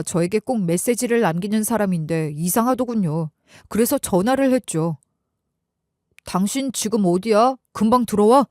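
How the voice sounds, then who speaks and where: A woman giving calm, scripted first-person story narration as a story narrator. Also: medium pitch, dry recording, studio quality.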